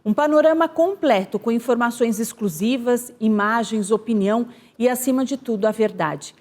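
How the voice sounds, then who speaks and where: A woman's voice: a little high, moderate pace, a little mellow. Polished woman news anchor. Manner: formal, polished presenting. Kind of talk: TV news interview.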